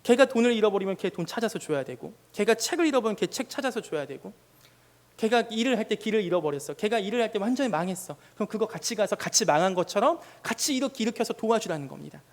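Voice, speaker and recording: A man in his thirties, a junior pastor preaching a sermon in a lively, conversational way with touches of humor. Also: sits high, fast talker. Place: church sanctuary. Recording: long reverb in a church hall.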